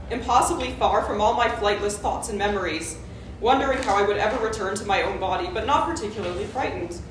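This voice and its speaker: A woman giving a measured, lyrical reading of surreal fiction to a live audience at an art gallery. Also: mid-range voice, a little hiss or hum. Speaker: reader at a live art event. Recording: very echoey live gallery recording.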